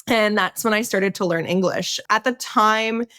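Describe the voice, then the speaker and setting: A woman's voice: mid-range voice, measured pace, bright, forceful tone. A woman from Canada speaking as a podcast guest, chatty and casual with frequent laughs. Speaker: podcast guest, tech entrepreneur. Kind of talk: podcast interview.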